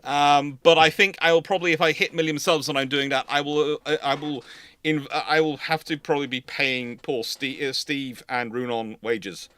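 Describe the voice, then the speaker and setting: A man hosting a naval history livestream, answering questions in casual chat with halting, repetitive phrasing. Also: a little high, steady tone, fairly bright tone, dry recording.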